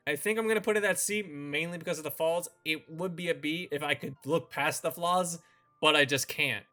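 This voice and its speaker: A man presents a review in a forceful, bright voice that sits a little high. His delivery is semi-scripted, with opinionated informal asides. Faint music plays behind him. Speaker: host of a visual novel review channel.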